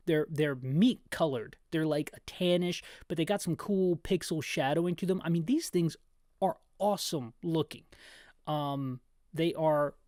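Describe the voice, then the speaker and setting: Higher-pitched man, chatty game playthrough host. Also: a little mellow, dry recording, clean studio sound. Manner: chatty, tangential, repeats and rephrases himself. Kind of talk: descriptive video game commentary with rambling opinions.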